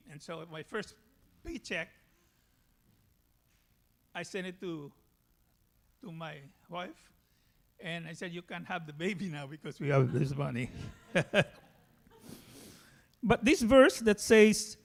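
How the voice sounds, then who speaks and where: A man from the Philippines with a Filipino accent, giving a personal church testimony in a halting way. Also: sits high, vocal fry.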